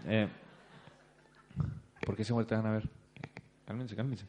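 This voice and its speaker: A man with a Mexican accent and a lowish voice speaks slowly while giving a business talk to an audience. He narrates a story with animation, impersonating the people he quotes.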